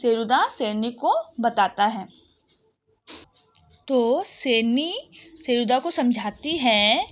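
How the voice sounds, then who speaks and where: A woman teacher reading a children's story aloud and explaining it slowly, repeating each line for young pupils. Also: on the high side, expressive, soft background music. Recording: muffled lo-fi recording.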